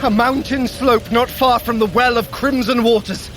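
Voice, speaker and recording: An actor playing a haughty, fussy trickster god in a fantasy audio drama, snide and superior. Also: male voice, extremely high pitch, fairly even intonation, moderate pace, very noisy. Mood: urgent. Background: music.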